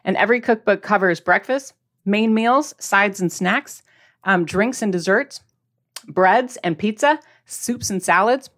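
A woman's voice: medium pitch, measured pace. A woman hosting a podcast, chatting casually about cooking in an upbeat, encouraging way with a few fillers. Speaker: podcast host.

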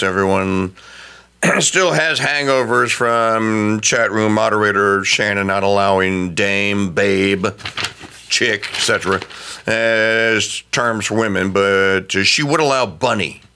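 A man's voice: fairly low pitch, slow, bright, forceful tone, clear, resonant tone. A middle-aged man hosting a talk radio show, delivering an emphatic opinion monologue that often stumbles into repeated restarts.

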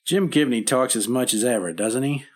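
A man's voice: mid-range voice, normal speed, a little mellow, natural voice. A man plays a husband recovering in a hospital bed in an old radio drama. He keeps a wry, joking tone. He stumbles over his words when things get serious. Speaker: hospital patient. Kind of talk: 1950s radio acting.

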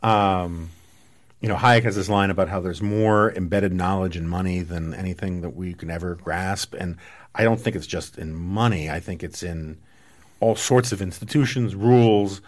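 A man's voice: sits low, moderate pace. A man hosting a podcast, talking casually and discursively, riffing on analogies. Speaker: podcast host. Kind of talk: casual political conversation.

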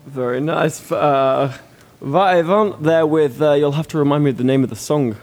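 A man's voice: fairly high pitch, moderate pace. Easygoing male interview host. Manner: easygoing, affirming, hesitant with fillers. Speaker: radio host. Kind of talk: casual interview questions.

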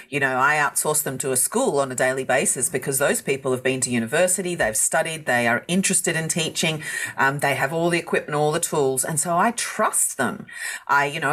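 A middle-aged Australian woman, a podcast guest, talking candidly and laughing easily. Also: breathy edge. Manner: candid, laughs easily, animated pitch jumps. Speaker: guest, content writing agency founder. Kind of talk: podcast interview.

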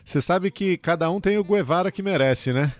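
A man's voice: sits high, moderate pace. A man hosting a podcast, introducing his guest in a cheerful, informal way. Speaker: podcast host.

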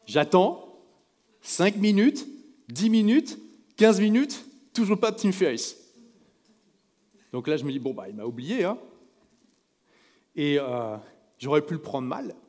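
A man from France speaking to a live audience from a stage, telling anecdotes in a lively way and acting out the people he quotes. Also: high voice. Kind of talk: storytelling talk to a live audience. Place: stage in a large event hall. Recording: echoey hall reverb.

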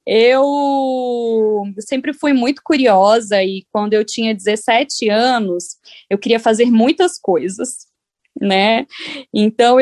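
A woman's voice: a little high, no echo, studio quality. A woman from Brazil with a Brazilian accent, chatting casually as an interview guest and often seeking agreement. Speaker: podcast guest.

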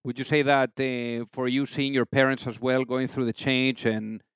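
A man's voice: medium pitch, little pitch movement, moderate pace, a bit bright, clean tone, dry recording, studio quality. A man hosting an interview podcast, introducing his guest with enthusiasm and asking long, winding questions. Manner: enthusiastic, rambling, filled with "you know". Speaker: podcast host.

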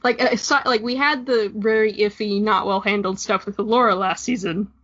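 A woman's voice: medium pitch, fairly even intonation, normal speed, fairly bright tone. A woman co-hosting a podcast, talking casually in a rambling, hesitant way full of "like". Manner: rambling, heavy use of "like", hesitant. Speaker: podcast co-host. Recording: dull lo-fi recording.

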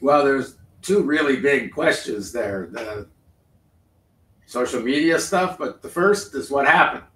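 A male guest giving a measured, explanatory answer in an interview. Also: medium pitch, lively intonation, a bit bright. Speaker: guest commentator. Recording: roomy distant mic.

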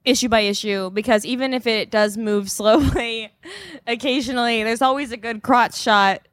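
A woman with a fairly high voice hosts a casual comics podcast. She talks loosely and laughs often, trading teasing banter with her co-hosts. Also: steady tone, moderate pace. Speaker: podcast host. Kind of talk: casual group chat.

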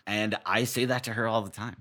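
An American man in his thirties from Massachusetts, telling his own stories as an interview guest in a casual, animated, self-deprecating, jokey way. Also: lowish voice, fairly quick. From Massachusetts, USA. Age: 30s. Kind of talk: casual conversational storytelling.

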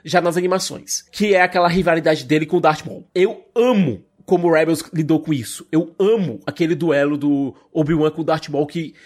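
A man's voice: on the high side, a little fast, hardly any pauses, darkish tone. A man with a Brazilian Portuguese accent giving his opinions on films and series in a casual discussion. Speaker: podcast panelist.

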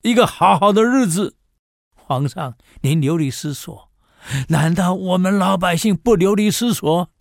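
A man's voice: a little high, expressive, moderate pace, no room sound, clean studio sound. Old male commoner lecturing an emperor, impassioned and outspoken, played by a man. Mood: pleading. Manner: pleading, rising to indignant outbursts.

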